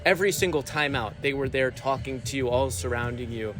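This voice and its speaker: A young American man with a mid-pitched voice conducts a sports interview, setting up his questions as a broadcaster. Music plays clearly behind him. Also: brisk, fairly bright tone.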